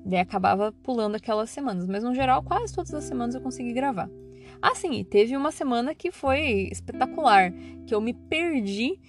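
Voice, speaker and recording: A woman's voice: on the high side, expressive, fairly quick, soft background music. A Brazilian woman talking casually as a podcast host and teacher, rambling with many fillers and restarts. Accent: Brazilian Portuguese. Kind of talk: casual solo podcast chat.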